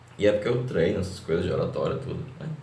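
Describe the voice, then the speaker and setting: A man talks at a very fast pace, and audible room echo lingers around his words. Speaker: epistemologist and lecturer. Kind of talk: reading aloud and explaining a viewer question.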